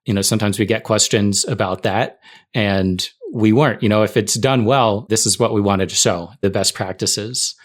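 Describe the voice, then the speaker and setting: A middle-aged tech writer appears as a podcast guest, recalling stories from his work in a relaxed, conversational way. His voice is lowish and steady, at a normal speed.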